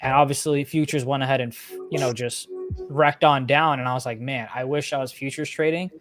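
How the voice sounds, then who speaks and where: A man's voice: medium pitch, steady tone, brisk, a bit bright, soft background music. A man co-hosting a live stock trading show, chatting casually and thinking aloud about his trades.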